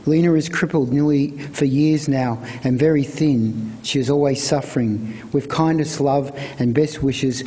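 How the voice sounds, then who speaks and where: A man reading a prepared script of historical letters aloud at a live event in a measured way. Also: mid-range voice, fairly even intonation, warm tone, poor audio.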